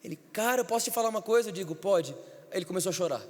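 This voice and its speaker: A man's voice: sits high, rapid-fire, slight background noise. A man, a pastor, preaching an emphatic storytelling sermon in a church. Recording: church hall reverb.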